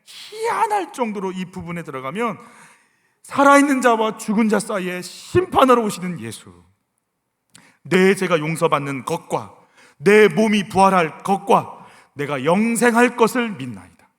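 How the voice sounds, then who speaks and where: A middle-aged man preaching a sermon as senior pastor, acting out voices and sighs and moving between loud and hushed delivery. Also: sits high, sing-song, normal speed, long reverb tail. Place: church sanctuary.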